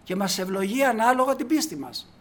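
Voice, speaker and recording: Very high-voiced male preacher. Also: sing-song. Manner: emphatic, swings from quiet to loud declarations; addresses the congregation as brothers. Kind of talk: sermon.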